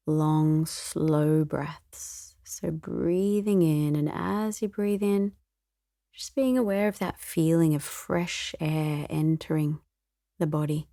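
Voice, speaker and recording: A woman leads a guided meditation in a low, mellow voice. She speaks very slowly and gently, with a soft, soothing delivery that sometimes turns breathy. The sound is close and dry. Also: no echo. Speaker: meditation teacher.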